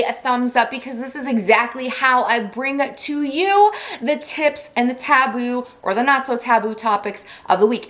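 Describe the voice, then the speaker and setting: Frank young woman with a higher voice. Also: fairly bright tone.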